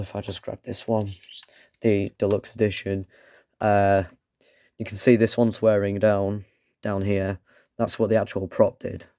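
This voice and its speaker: A man reviewing a toy with a croaky voice from a cold, rambling and dropping sarcastic asides. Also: lowish voice, warm tone, no echo, clean studio sound. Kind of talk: casual product review.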